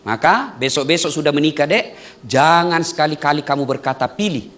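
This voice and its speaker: A male preacher delivers a wedding sermon in a bright, forceful voice. His pitch swings widely as he jokes, poses questions and answers them himself. The delivery stays animated throughout. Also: a little fast. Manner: animated, joking, asks and answers own questions.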